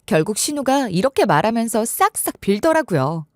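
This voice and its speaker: A woman's voice: a little high, big pitch swings, normal speed, darkish tone, no room sound, studio quality. A woman narrating a first-person family drama story, telling it with anger and emphasis.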